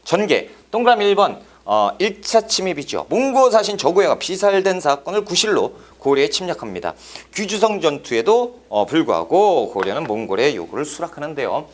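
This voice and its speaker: A man's voice: fairly high pitch, very animated, moderate pace, few pauses. A man teaching a history exam course in a playful lecture, telling jokes and adding sound effects. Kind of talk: lively lecture with acted-out scenes.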